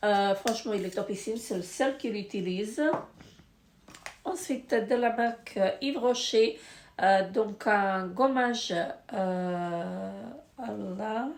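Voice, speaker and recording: A woman's voice: medium pitch, slow pace, darkish tone. A woman with a stuffy, congested nose, reviewing beauty products in a casual, hesitant way full of fillers. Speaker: beauty vlogger. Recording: echoey room.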